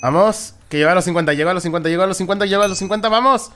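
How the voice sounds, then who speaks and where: A man with a Peruvian Spanish accent playing games with a friend, excitable, laughing often and shouting at losses. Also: sits high, racing, soft background music. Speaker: gaming channel host. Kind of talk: casual gaming chat with a friend.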